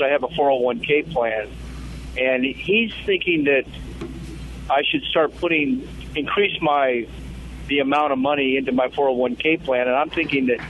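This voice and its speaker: Older male caller on a phone line into a radio show, halting, hesitant delivery, mid-pitched, faint background hum. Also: fairly bright tone. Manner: hesitant, halting with many fillers and restarts. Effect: voice heard over a phone line into a radio show. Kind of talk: casual call-in question.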